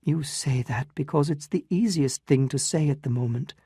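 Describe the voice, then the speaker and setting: A woman's voice: low-pitched, moderate pace, mellow, husky, no room sound, studio quality. A reader voicing an anguished, restrained young woman in a dramatized story reading, with emotional, pleading delivery. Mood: sorrowful.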